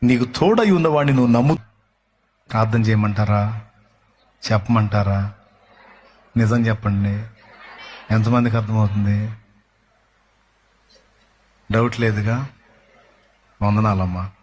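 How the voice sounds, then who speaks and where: A man's voice: fairly low pitch, a little slow, long pauses, darkish tone, a little hiss or hum. A male pastor preaching a sermon with emphasis, often putting rhetorical questions to his congregation.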